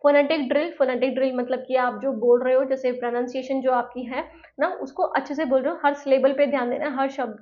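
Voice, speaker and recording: Female lecturer, high voice, chatty explaining style with frequent check-ins, slightly dull recording. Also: steady tone, brisk. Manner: explains in Hindi mixed with English terms, repeats "है ना". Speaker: teacher. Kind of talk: exam-prep lecture.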